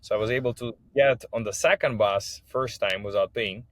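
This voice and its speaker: A man's voice: lowish voice, normal speed, fairly bright tone, no room sound. A man from Kazakhstan, an English speaker telling his personal story as a podcast guest. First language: not English. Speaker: podcast guest, business owner.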